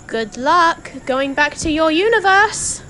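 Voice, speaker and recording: A principled young queen in an audio play, played by a woman, speaking with earnest determination. The voice is high and animated, over faint background noise. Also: takes it slowly, full character voice. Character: resolute young queen, principled and defiant fighter.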